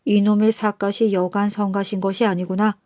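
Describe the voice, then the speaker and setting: A woman's voice: medium pitch, flat delivery, a little fast, a little mellow, no echo, natural voice. A woman voicing a proud male nobleman in a storybook folktale, haughty and scolding. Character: arrogant male Seoul nobleman, pompous then groveling.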